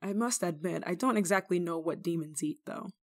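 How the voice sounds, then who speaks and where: Voicing a strict but warm village nun, a woman delivers a dramatic roleplay monologue of scolding and teasing punctuated by theatrical pauses. Her lowish voice sounds softening and matter-of-fact.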